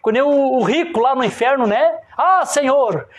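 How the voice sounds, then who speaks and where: A man from Rio do Sul, a pastor preaching a sermon in church with call-and-response. He keeps asking the congregation for agreement and grows loud and emphatic as he presses each point. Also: extremely high pitch, fairly quick, a little hiss or hum. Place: church service in front of a congregation.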